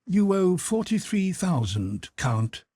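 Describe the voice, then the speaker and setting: A man doing a cold, mocking card sharp, raised and husky. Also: high-pitched, big pitch swings, slow, dry recording, clean studio sound, voice pushed up, exaggerated voice. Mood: cool mocking. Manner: cool taunting, clipped.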